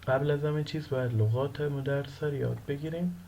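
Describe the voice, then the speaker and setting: Gravelly-voiced male law lecturer. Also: a little high, fairly even intonation, dark tone, a little hiss or hum, rough recording. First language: Persian. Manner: switches between Persian and slow, drilled English; repeats each vocabulary word slowly for pronunciation. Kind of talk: recorded online lecture.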